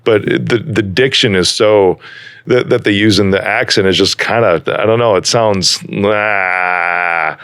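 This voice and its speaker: A man's voice: lowish voice, unhurried, fairly bright tone, clean tone, no echo. A man from Chicago with a neutral American accent, hosting a podcast in a laid-back, jokey way. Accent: neutral American, trained away from Chicago. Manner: laid-back, jokey, calls people dude. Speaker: podcast host. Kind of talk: casual podcast chat.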